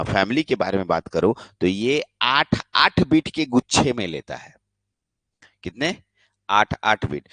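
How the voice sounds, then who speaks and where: A man's voice: on the low side, dry recording. A young man with a Bihari Hindi accent teaching a live online class. He mixes English terms into his Hindi and keeps checking that students follow. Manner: explains in Hindi mixed with English, checks in with frequent questions. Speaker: polytechnic teacher.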